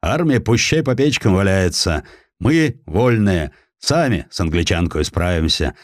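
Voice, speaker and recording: An actor voicing a brash, folksy Cossack chieftain who talks boastfully and defiantly in colloquial peasant speech. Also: male voice, low-pitched, lively intonation, measured pace, no room sound, studio quality.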